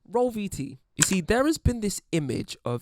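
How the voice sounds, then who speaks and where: A British accent marks this voice. The delivery moves at a moderate speed. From London, England. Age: 20s. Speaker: presenter and cultural commentator. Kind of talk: video essay commentary. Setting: sitting in bed.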